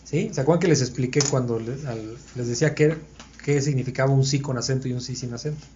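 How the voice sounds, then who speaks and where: A man's voice: mid-range voice, quick pace, darkish tone, a little hiss or hum. A man leads a conversational Bible study for a small group. He thinks aloud and keeps checking that his listeners are following. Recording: dull lo-fi recording.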